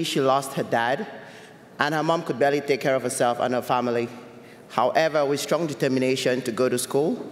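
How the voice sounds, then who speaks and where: A young man from Cameroon giving an earnest, measured personal talk as a youth advocate, with small restarts. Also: medium pitch, slight background noise. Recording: echoey hall with long reverb.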